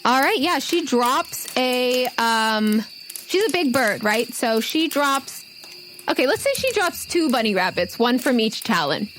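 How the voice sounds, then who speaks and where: A woman's voice: high voice, lively intonation, measured pace, a bit bright, slight background noise. A woman acting as game master, narrating a tabletop role-playing game in a casual, conversational, improvised way.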